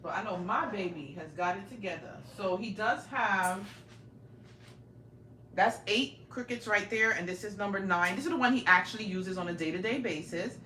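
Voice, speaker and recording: A woman's voice: mid-range voice, sharp tone. A woman in her forties, raised in Brooklyn, hosting a casual live-stream tour of her home and chatting straight to her viewers on a handheld phone. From raised in Brooklyn, New York. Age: 40s. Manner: chatty, keeps addressing viewers directly. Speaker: livestream host. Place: indoor home, small rooms. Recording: roomy home audio, faint noise.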